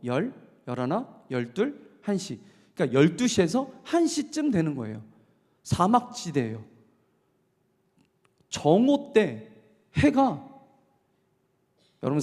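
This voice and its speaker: A male pastor preaching a sermon, telling a story with lively questions to the congregation and acting out the dialogue. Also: fairly high pitch. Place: church sanctuary. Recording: long church hall reverb.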